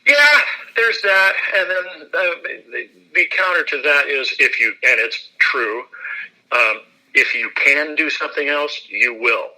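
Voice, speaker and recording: A man, an actor, giving a relaxed and self-deprecating interview, laughing often as he talks. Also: a little high, measured pace, poor audio.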